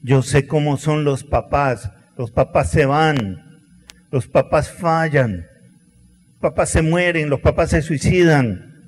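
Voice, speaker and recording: A middle-aged man preaching a sermon, telling stories with acted quotes and dramatic pauses. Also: on the high side. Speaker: pastor. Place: large church hall. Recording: long church hall reverb.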